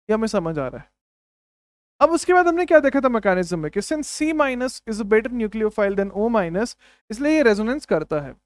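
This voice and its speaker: A man's voice: extremely high pitch, clear, resonant tone, dry recording. A young man giving an exam-prep chemistry lecture, emphatic, repeating key phrases and calling students "my brother". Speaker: chemistry teacher.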